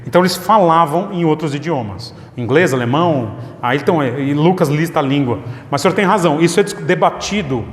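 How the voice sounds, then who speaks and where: A pastor leading a church Bible study, explaining in a conversational way and repeating questions for the audience. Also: male voice, fairly high pitch, expressive, fairly quick, few pauses. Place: church hall. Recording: echoey church hall.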